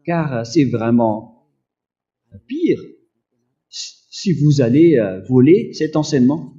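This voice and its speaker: A man preaching a sermon, slow and emphatic with frequent hesitations and a slight cough. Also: mid-range voice, very animated, warm tone, lo-fi sound. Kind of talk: sermon teaching.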